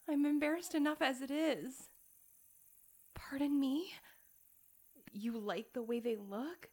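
A young woman playing a proper young lady who is trapped and pleading, speaking in formal, old-fashioned phrases with breathy whispered pleas. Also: on the high side, darkish tone. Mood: embarrassed, polite. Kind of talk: solo audio roleplay.

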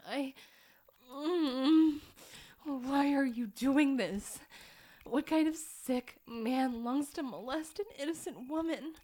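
A young woman playing a proper young lady who is trapped and pleading, speaking in formal, old-fashioned phrases with breathy whispered pleas. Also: sits high, slow pace, mellow. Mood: desperate pleading. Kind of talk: solo audio roleplay.

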